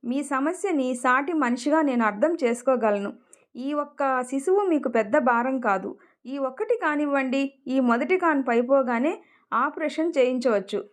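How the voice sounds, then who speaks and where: A woman voicing a calm, sincere woman doctor who speaks in a soothing, persuasive way. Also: high-pitched, normal speed. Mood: gentle persuasive.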